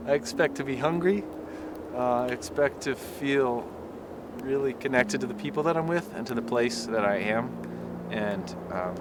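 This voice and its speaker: A man's voice: medium pitch, very noisy. A man in his twenties who speaks hopefully but tentatively in a documentary interview. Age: 20s.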